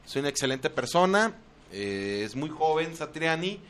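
High-pitched, exuberant Mexican male radio host. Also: very animated, normal speed, a bit bright, smooth. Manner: teasing, foul-mouthed, exuberant. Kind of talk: lively comedic radio banter.

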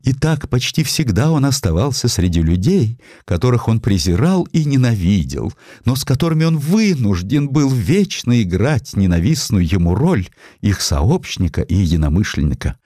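A man narrating historical prose as an audiobook reader, in an expressive, theatrical storytelling manner. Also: mid-range voice, normal speed, no room sound, studio quality.

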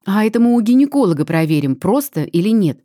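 A woman's voice: medium pitch, a little slow, warm tone, dry recording, studio quality, lightly acted. Woman voicing a shrieking enraged mother. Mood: shrill outrage. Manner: screeching, accusing, trembling. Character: hysterical middle-aged mother, furious and shrill.

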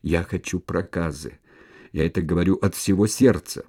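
A man's voice: moderate pace, mellow, slightly rough. A man voicing a drunk young male army recruit who cries and shrieks that he will not go to war, in an audiobook. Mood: bitter. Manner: stammers; slurred, weepy and shrill.

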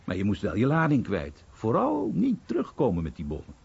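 A very husky, dark-toned male war veteran recounts his past soberly for radio. His intonation moves widely, and the sound is slightly dull. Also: lowish voice, huge pitch swings, a little fast, heavily acted. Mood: narrating. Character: American war veteran soberly recalling bomber days. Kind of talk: radio documentary-drama monologue.

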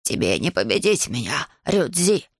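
A storybook reader voicing a loyal young male dragon, speaking in a quiet, steady, solemn way. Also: mid-range voice, moderate pace, slightly rough, no echo. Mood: defiant.

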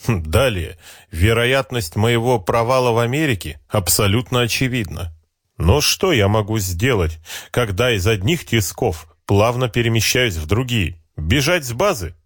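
A man narrating a first-person audiobook in a wry, reflective, steady way. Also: mid-range voice, normal speed, dry recording, studio quality.

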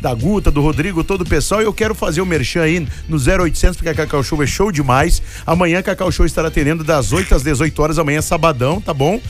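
A man, hosting a radio show, joking with his co-host and reading sponsor plugs in a rushed announcer style. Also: on the high side, faint music behind. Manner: jokey, rushed announcer delivery. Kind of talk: casual radio banter and live sponsor plugs. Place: radio studio.

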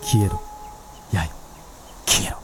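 A man's voice: slow, heavy background noise, natural voice. Man acting as Shirokomamaru, a solemn white fox spirit. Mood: stern, commanding. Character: white male fox spirit, centuries old, watchful mountain guardian. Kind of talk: radio drama acting.

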